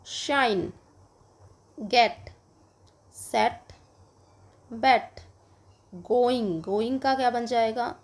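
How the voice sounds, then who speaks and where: A woman's voice: on the high side, darkish tone. A woman with an Indian accent teaching a children's English lesson, explaining in Hindi and asking and answering her own questions. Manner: slow, patient, addresses children, asks and answers own questions.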